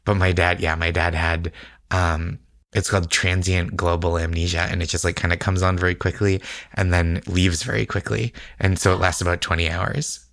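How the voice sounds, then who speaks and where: A man co-hosting a relaxed bedtime podcast, talking in loose, casual, halting phrases. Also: deep voice, no room sound, studio quality. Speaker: podcast co-host.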